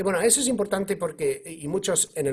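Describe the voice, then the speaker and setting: The man's voice is somewhat breathy. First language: English (speaking Spanish). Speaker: author. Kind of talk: book presentation talk. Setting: press conference. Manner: halting, many false starts.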